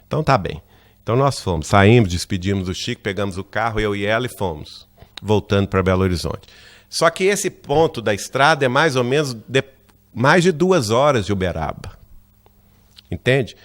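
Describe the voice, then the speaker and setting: A man from Minas Gerais with a Brazilian Portuguese accent, giving a lecture at a spiritist center. He tells a personal story in a lively way and acts out the lines of the people in it. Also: lowish voice, normal speed. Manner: lively narrator who acts out quoted dialogue, often asks "né?".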